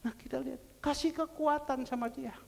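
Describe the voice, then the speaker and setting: Man, pastor, sermon, high pitch, gravelly voice, church hall reverb. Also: steady tone, moderate pace. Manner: emotional preaching, swinging from soft to loud. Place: church sanctuary.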